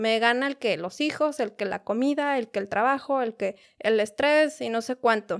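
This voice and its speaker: Recorded very cleanly against a silent background, a woman speaks at a high pitch with ordinary pitch variation. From Mexico City. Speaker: podcast host and habit coach. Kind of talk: casual interview chat.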